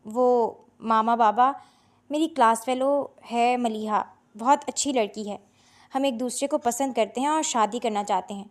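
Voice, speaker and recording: An eager young man in love, played by a woman reader in a storybook drama. He blurts out his news breathlessly in a high voice. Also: close to an everyday voice. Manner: breathless, excited.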